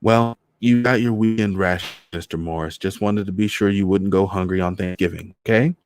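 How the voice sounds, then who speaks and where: A man's voice: deep voice, steady tone, a little fast, a little hiss or hum. A man reading a polite young woman. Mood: reserved.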